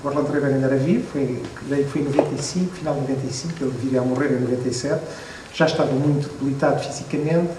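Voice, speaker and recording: A man's voice: mid-range voice, fairly even intonation, rapid-fire. A Portuguese man in his fifties with a European Portuguese accent, telling anecdotes to an audience in a reflective way, with hesitant restarts and wry asides about himself. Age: 50s. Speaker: photographer and book author at a presentation. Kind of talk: relaxed anecdotal talk to an audience. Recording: echoey room, distant mic, faint noise.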